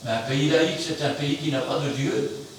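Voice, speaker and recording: A man preaching an emphatic sermon, swinging between loud outbursts and quiet asides. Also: on the high side, normal speed. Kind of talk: fiery sermon. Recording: very echoey room, mic far off, faint noise.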